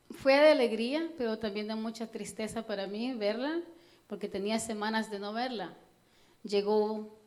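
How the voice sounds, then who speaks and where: A woman from El Salvador with a Salvadoran accent, giving an earnest, halting personal testimony at church with frequent fillers. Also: medium pitch, darkish tone. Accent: Salvadoran Spanish.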